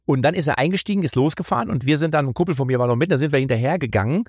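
A middle-aged man telling lively anecdotes in a casual podcast chat, often slipping into mock Italian voices. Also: fairly high pitch, very fast, slightly rough, no echo, studio quality. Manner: animated storyteller, slips into mock Italian voices. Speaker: comedian guest.

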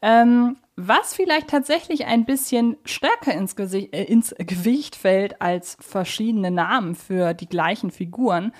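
A woman's voice: mid-range voice, lively intonation, a little slow, hardly any pauses, a little mellow. A woman co-hosting a podcast in casual discussion, often circling back to rephrase in a hesitant way. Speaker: podcast co-host. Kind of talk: casual discussion of an audio drama series.

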